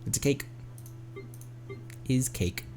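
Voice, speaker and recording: A man hosting a live game stream with casual, expressive, self-teasing commentary. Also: takes it slowly, music in the background.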